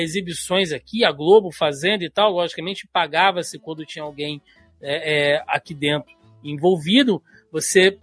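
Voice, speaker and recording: Carioca guy rambling on a podcast, high pitched, lots of "né", faint music. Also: a bit bright. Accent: Carioca Portuguese. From Brazil. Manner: chatty, lots of "né" fillers, tangents. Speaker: podcast co-host. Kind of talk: casual podcast chat.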